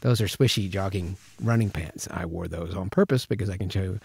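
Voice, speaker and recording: A man's voice: low-pitched, fairly quick, creaky, darkish tone, breathy edge, no room sound. A man giving an informal tutorial as a voice actor, talking casually and conversationally into a close microphone. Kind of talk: informal instructional talk with vocal demonstrations. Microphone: close studio microphone, spoken slightly to the side.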